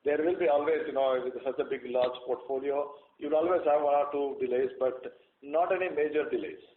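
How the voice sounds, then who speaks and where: A company executive answering analyst questions on an earnings call, explaining at length with many "you know" fillers. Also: male voice, fairly high pitch, fairly quick, slight background noise. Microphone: conference call line. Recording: echoey phone-line audio.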